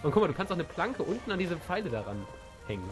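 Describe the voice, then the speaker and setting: A man's voice: sits high, big pitch swings, fast talker. A young man with a German accent and a cold, joking and complaining playfully while playing a co-op game. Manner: joking, self-mocking complaints. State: has a cold. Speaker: co-player. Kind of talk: casual gaming chat. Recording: game music behind voice.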